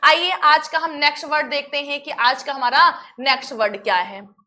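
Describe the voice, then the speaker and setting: A woman teaching an online English lesson, energetic, often asking and answering her own questions. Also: high voice, moderate pace.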